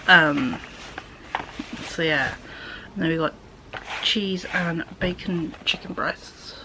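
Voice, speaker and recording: Woman doing a haul vlog at home, lowish voice, bit wheezy, noisy background. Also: slow pace. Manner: chatty, many ums, drifts into soft half-whispers. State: wheezy from hay fever. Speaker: vlogger. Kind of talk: casual grocery haul chat. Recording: background noise.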